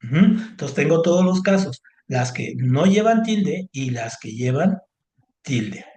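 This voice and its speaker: A man tutoring a student, explaining step by step, repeating words and filling pauses with little affirmations. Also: a little high, animated, darkish tone. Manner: patient, explains step by step, repeats words, frequent "ajá" and "ujú". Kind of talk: online Spanish grammar lesson. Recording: roomy echo.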